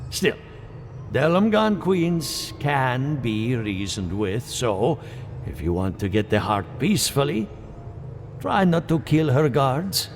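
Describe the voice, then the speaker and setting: Courteous, preoccupied male scholar, fantasy game. Articulate, theatrical, unhurried, music underneath. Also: medium pitch. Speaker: game character. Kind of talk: scripted video game dialogue.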